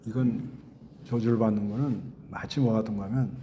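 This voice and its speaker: A man's voice: lowish voice, steady tone, normal speed, dark tone, lo-fi sound, a little hiss or hum. A middle-aged male pastor giving a conversational sermon and putting questions to the congregation.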